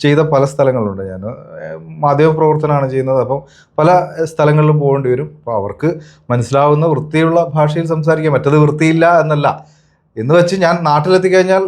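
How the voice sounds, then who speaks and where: Ordinary pitch variation in a man's fairly high voice. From Malabar, Kerala (Kozhikode area). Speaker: journalist. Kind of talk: casual chat.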